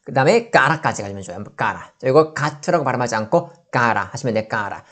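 A woman with a Korean accent, teaching the pronunciation of pop song lyrics. She says each phrase slowly and breaks it apart to show how the sounds join. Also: rumbling low, lively intonation, fairly bright tone, faint music behind.

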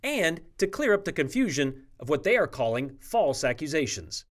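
Lively middle-aged male news reporter. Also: fairly high pitch, normal speed, in a large hall. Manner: lively, emphatic anchor delivery. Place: TV studio. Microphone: lapel mic.

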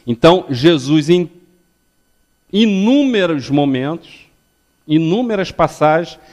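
An older man standing in a lecture hall giving a public religious talk, teaching step by step and often checking that the audience follows. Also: a little high. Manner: didactic, ends phrases with checking questions; stands and gestures while speaking. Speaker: lecturer at a spiritist center.

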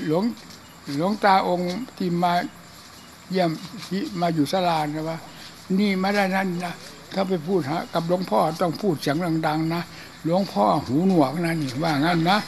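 In this informal dharma talk, an older monk who is hard of hearing tells humorous stories and slips into different voices to act them out. A light hiss sits under his voice, which is pitched high for a man.

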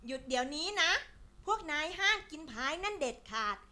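A woman's voice: sits high, big pitch swings, a little fast, pushed and bright, exaggerated voice. A woman doing a stern little ant. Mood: scolding. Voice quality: stern, lecturing. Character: diligent scolding little ant. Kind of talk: children's storybook voice acting.

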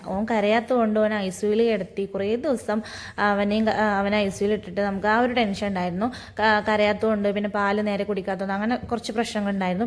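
A woman, chatting casually in a vlog, with many fillers and friendly tags. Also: mid-range voice. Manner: chatty, frequent fillers and tag "ട്ടോ". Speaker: vlogger.

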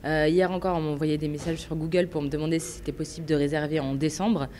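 Restaurant owner lady, excited, laughs a lot, lowish voice, bit of noise behind. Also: fast. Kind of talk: interview answers.

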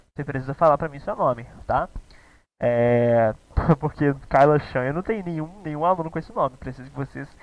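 A young man with a Brazilian Portuguese accent and a mid-range voice teaches a live online English class, keeping it casual and chatty and checking in often with his students. The recording has no echo but sounds muffled.

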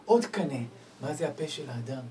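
A man delivering a storytelling sermon as a rabbi, swinging from loud exclamations to hushed asides. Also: on the high side, animated. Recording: distant mic, faint background noise.

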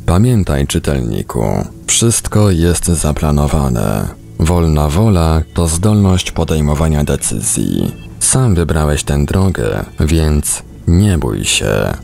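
A man reading an audiobook as scripted narration, measured and with deliberate pauses. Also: a bass voice, big pitch swings, gravelly, darkish tone, faint music behind. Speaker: audiobook reader on a radio programme.

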